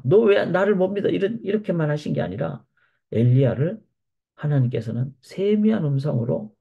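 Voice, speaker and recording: Male pastor, gravelly husky voice, reads verses then explains, church Bible study. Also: medium pitch, warm tone. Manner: explanatory, reads scripture aloud then comments.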